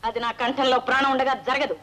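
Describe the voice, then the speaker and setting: A woman's voice: sits high, little pitch movement, quick pace, a bit bright, low-quality recording. An actress playing a stern, domineering middle-aged mother-in-law who speaks with scorn and command. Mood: scornful.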